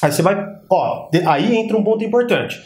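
A man's voice: high-pitched, brisk, echoey room. A man coaching on persuasion in a casual, informal monologue, acting out little dialogues as he goes. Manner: animated, acts out dialogue in quotes; informal slang-heavy delivery.

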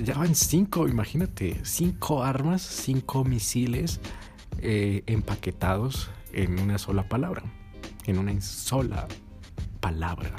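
A man's voice: fairly low pitch, a little mellow. A man hosting a podcast, giving blunt casual advice and swearing freely, often checking if the listener follows. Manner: blunt and swearing, keeps asking "you get me?". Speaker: podcast host.

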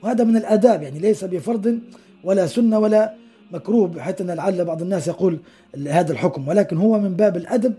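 A man's voice: high-pitched, rapid-fire, warm tone, slightly rough. A man giving a podcast religious lesson, telling hadith stories with explanatory asides and acting out the quoted dialogue.

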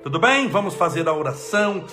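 A man, an energetic spiritual leader giving an emphatic inspirational talk and leading prayer. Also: high-pitched, a little fast, music in the background.

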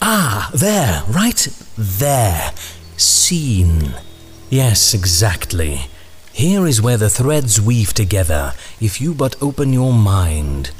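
A slow, sinister, courtly ringmaster. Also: male voice, fairly low pitch, big pitch swings. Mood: ominous musing. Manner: theatrical, archaic, deliberate phrasing. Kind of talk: audio drama acting.

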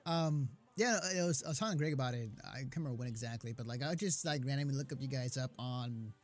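A man's voice: mid-range voice, expressive, fast, faint music behind. A man chatting casually and encouragingly on a voice call, with plenty of filler words. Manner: upbeat, encouraging, lots of "like". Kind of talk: casual chat.

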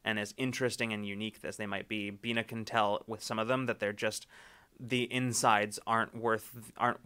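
A man's voice: on the low side, level tone, normal speed, sharp tone, clear, resonant tone. A man narrating as game master of a tabletop game, rambling with fillers and restarts.

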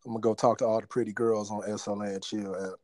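A man in his thirties co-hosting a casual podcast, joking and bantering in relaxed slang. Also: lowish voice, fast talker, dry recording. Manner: laid-back slangy banter with laughs. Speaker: podcast co-host. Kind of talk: casual chat.

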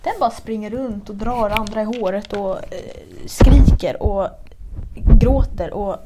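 A young woman from Sweden in casual chat, telling a story animatedly, swearing and acting out quoted lines. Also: medium pitch. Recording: faint background noise.

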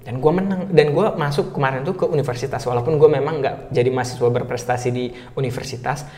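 Fast-talking young man, Batak native. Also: mid-range voice. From North Sumatra, Indonesia. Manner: lively, fast talker mixing in English words. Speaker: interview guest. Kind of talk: casual interview chat. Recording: reverberant room.

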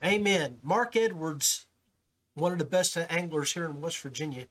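Folksy and expressive, a man hosts a fishing podcast, conducting a casual interview at a moderate pace and often repeating words at the start of his sentences. His voice is on the high side with a fairly bright tone. The audio quality is poor, taken from a call using his own mic.

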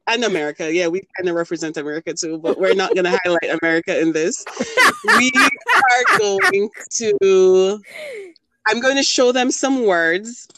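A woman's voice: fairly low pitch, fast talker, few pauses, a little hiss or hum. A woman from Jamaica co-hosting a casual talk show, chatty and laughing often as she leads a game. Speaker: podcast co-host. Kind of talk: casual chat.

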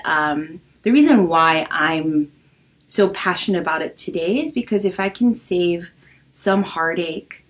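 A woman in her early thirties from Los Angeles, a podcast guest speaking casually and hesitantly, with many pauses and ums. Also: sits low, poor audio. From Los Angeles, USA. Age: early 30s. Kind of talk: casual interview talk.

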